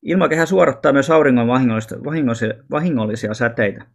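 Man reading a story aloud, calm. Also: mid-range voice, gravelly. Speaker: audiobook reader. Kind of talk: reading a children's novel aloud.

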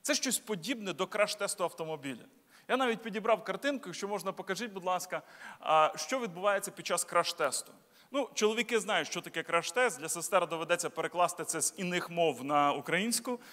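High-voiced man preaching in a reverberant church. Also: lively intonation, fairly quick, bright, forceful tone. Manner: conversational preaching with rhetorical questions to the congregation; lightly humorous, tells jokes. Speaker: bishop preaching. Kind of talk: sermon. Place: church sanctuary.

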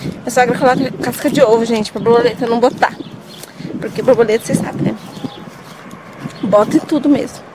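A woman's voice: a little high, steady tone, brisk, pauses often, noisy background. A young Brazilian woman chatting casually to her viewers while walking through her vegetable garden and pointing things out. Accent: Brazilian Portuguese. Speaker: vlogger. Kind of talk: casual vlog chat to viewers. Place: outdoors in a vegetable garden on a farm.

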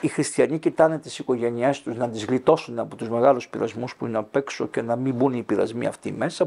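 A man's voice: medium pitch, creaky, a little mellow, breathy edge. An older man, a Greek Orthodox priest, talking earnestly in an interview and telling stories with quoted dialogue. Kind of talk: interview answer, storytelling.

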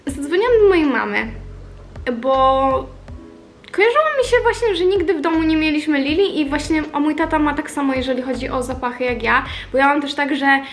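A young woman with a high voice talks in a casual vlog style. She is informal and confiding, wandering through her stories as if to close followers. Light music plays behind her. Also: fairly quick. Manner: informal, confiding, rambling storytelling with occasional swearing. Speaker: vlogger.

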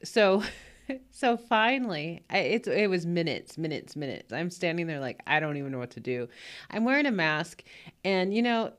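Low-voiced woman rambling casually. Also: big pitch swings, normal speed. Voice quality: low voice, morning voice. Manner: rambling, frequent fillers and laughs. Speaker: podcast host. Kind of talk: casual spoken anecdote.

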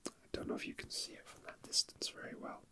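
Hushed, slow whispers come from an ASMR host right at the mic, casual chat that drifts into musing to themselves. Small objects are being handled as they talk.

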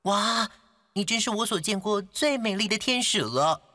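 A woman's voice: mid-range voice, expressive, moderate pace, sharp tone, dry recording, studio quality. A woman playing a tiny, gallant young prince in a children's storybook cartoon, sincere and devoted. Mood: admiring.

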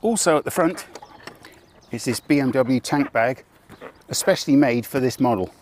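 This older British motorcycle travel vlogger has a medium-pitched, darkish voice with lively intonation and a moderate pace. On a lapel radio mic in a campsite car park, he shows off his motorcycle kit in a casual vlog that opens with a mock advert, chatty and wry with self-deprecating jokes. Slight background noise is present.

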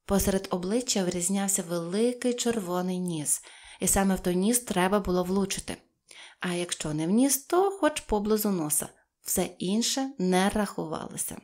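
A woman narrating a children's audiobook in a gentle, even storytelling manner. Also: medium pitch, moderate pace. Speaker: audiobook reader.

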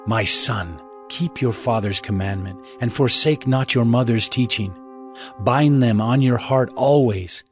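A man's voice: medium pitch, measured pace. A man giving a dramatized scripture reading as narrator, in a solemn, fatherly, exhorting manner. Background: music.

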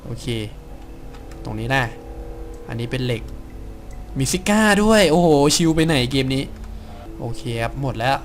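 A young man giving excitable Let's Play commentary, often exclaiming and laughing as he plays. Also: medium pitch, unhurried, vocal fry, long pauses, soft background music. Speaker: game streamer.

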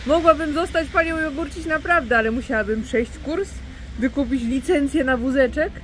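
A woman's voice: high voice, moderate pace. A woman in her thirties from Poland, chatting casually and playfully into a phone held at arm's length while she walks outside under an umbrella. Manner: chatty, playful, self-ironic. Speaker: vlogger. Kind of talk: casual vlog chat. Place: snowy city streets outdoors, under an umbrella. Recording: faint street noise and passing cars.

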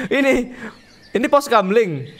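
A man's voice: extremely high pitch, slightly rough. A young man, streaming a horror game with rowdy, joking, slangy commentary and reading the game's text aloud. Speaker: gaming streamer.

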